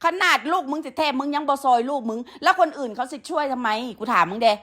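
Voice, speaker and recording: A woman's voice: sits high, quick pace, fairly bright tone. A woman with a northeastern Thai Isan accent, ranting angrily to her online viewers, scolding and insulting, tagging her lines with short "huh?" and "yeah" asides. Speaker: online content creator. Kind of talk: angry livestream rant to viewers.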